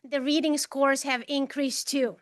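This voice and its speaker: A woman's voice: high-pitched, level tone, measured pace, dry recording, studio quality. A middle-aged woman with a Serbian accent, a teacher giving a prepared speech at a public meeting.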